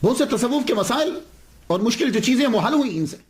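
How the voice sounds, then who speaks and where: A man's voice: extremely high pitch, expressive. A man giving a religious lecture as a story, repeating key phrases and answering his own questions.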